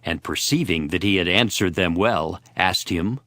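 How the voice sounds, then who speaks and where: A man's voice: deep voice, moderate pace, bright, forceful tone. A man narrating scripture from a script in a dramatized audio reading. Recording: voice over prominent background music.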